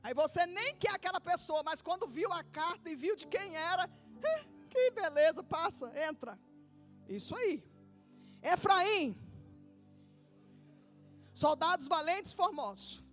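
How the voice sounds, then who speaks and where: A woman's voice: very high voice, animated, measured pace, long pauses, a bit bright, soft background music. A woman pastor preaching a sermon, acting out Bible dialogue and asking the congregation to repeat after her.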